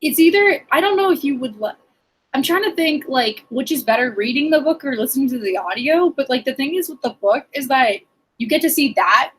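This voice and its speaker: A woman's voice: high-pitched, animated, a little fast, poor audio. A young woman in a casual book chat, often quoting and acting out lines as she talks. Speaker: book discussion co-host.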